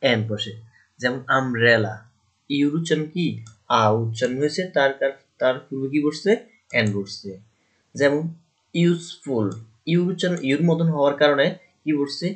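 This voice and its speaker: A male teacher explains a grammar rule in a classroom style. He keeps asking questions and answering them himself, repeating each point so the students remember it. His voice sits at an ordinary male pitch. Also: normal speed, long pauses. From Bangladesh.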